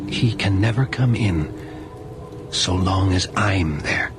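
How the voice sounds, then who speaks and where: A man's voice: low voice, slow, heavy background noise. An actor playing a grave, secretive, haunted man with a somber manner in an old-time radio ghost drama. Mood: grave, pleading. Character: grave, secretive man haunted by his dead little brother. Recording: old radio drama with loud music underneath.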